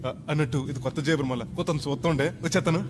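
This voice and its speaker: A man's voice: on the high side, steady tone, racing, background noise, lightly acted. An actor playing a naive, chatty village man on his first flight, in a film comedy scene. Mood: curious. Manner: loud, rustic and chatty. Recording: film audio with music behind.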